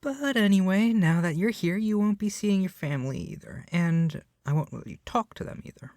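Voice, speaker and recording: Man playing a lovesick yandere kidnapper, lively and soft. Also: high voice, moderate pace, no echo, studio quality. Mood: awkward, possessive. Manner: soft, hesitant, rambling, often dropping to a whisper. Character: lovesick young male yandere kidnapper, doting, awkward, possessive. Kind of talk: ASMR roleplay addressed to the listener.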